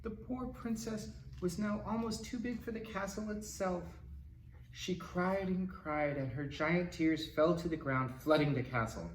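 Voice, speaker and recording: A man reading a children's picture book aloud as a storytime host, in an expressive, dramatic manner with asides to the listeners. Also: high-pitched, a little slow. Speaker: library storytime reader. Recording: roomy, distant mic, faint noise.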